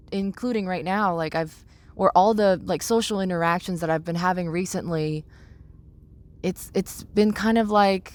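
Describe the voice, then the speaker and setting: On her podcast, a young adult woman with a voice on the low side shares personal reflections haltingly, groping for words and repeating herself.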